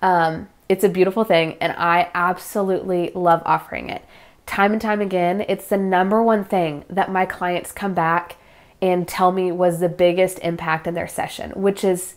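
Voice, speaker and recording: A woman speaks at a moderate pace. Her intonation stays monotone and flat. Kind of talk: casual vlog chat. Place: studio. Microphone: lapel.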